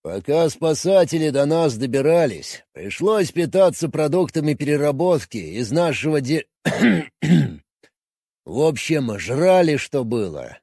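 A man voicing a big, bluff, good-natured Russian engineer who talks loud and teases, in a husky voice. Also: on the high side, sing-song, a little slow, no room sound, studio quality, pitched above the performer's own voice. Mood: hearty. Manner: loud jovial teasing.

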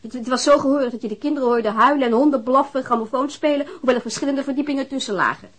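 A woman's voice: high-pitched, fast, husky. An actress playing a weary, defensive divorced mother, answering questions hesitantly in a naturalistic radio drama. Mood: defensive, aggrieved.

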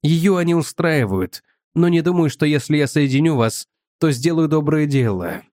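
A man voicing a weary, calm old male professor in an audiobook, low and unhurried. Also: no echo, studio quality, natural voice. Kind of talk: audiobook character voice.

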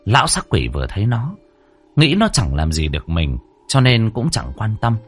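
Guy reading a spooky story, husky voice swinging way up and down, faint music under. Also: fairly low pitch, moderate pace. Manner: dramatic, expressive storytelling. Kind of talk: scripted audiobook narration.

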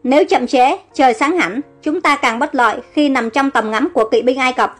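A woman's voice: sits high, moderate pace, fairly bright tone, soft background music. A woman voicing a soldier who urgently reports heavy losses to his king. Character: dutiful soldier delivering grim battle reports.

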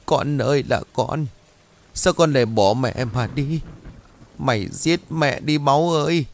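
A man's voice: mid-range voice, measured pace, slight background noise, pitched above the performer's own voice, lightly acted. A man voicing a village mother wailing and pleading over her drowned son in a spoken horror story. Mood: anguished wailing.

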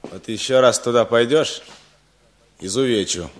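An actor playing a hard, brooding young peasant husband in a radio play, blunt and threatening in manner. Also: male voice, mid-range voice, unhurried, close to an everyday voice. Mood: harsh.

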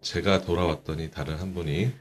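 A man hosting a casual talk show with a stuffy nose, chatty and quick to laugh. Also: low voice, steady tone, husky. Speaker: radio show host. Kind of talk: casual studio chat.

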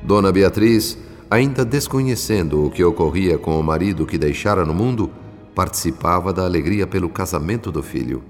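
A man's voice: deep voice, lively intonation, normal speed. A man with a Brazilian accent playing a solemn, reflective spirit narrator in a scripted radio drama. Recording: long reverb, music behind.

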